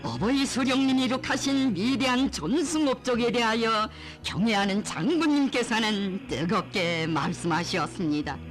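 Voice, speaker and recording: A woman's voice: fairly high pitch, lively intonation, moderate pace, few pauses. A woman with a North Korean accent reading scripted propaganda documentary narration in a solemn, reverent, emotive declamatory manner. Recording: music behind the voice. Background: music.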